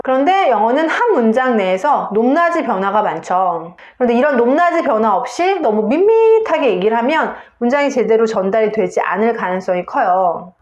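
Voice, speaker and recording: A woman's voice: fairly high pitch, a little mellow, echoey room, highs cut off. A woman English teacher giving a video lesson on pronunciation, explaining step by step and saying example words aloud.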